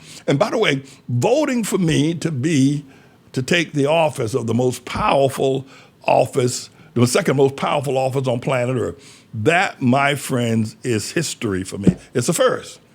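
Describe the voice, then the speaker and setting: A man's fairly high voice with an American accent at a fairly slow pace. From North Carolina. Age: 70s. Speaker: pastor. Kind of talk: sermon.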